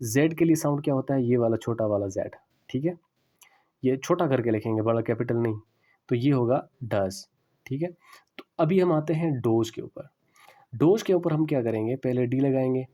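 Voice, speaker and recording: Man, English lecturer, mellow warm tone, slow repeated example words. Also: medium pitch. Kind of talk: classroom lecture on pronunciation.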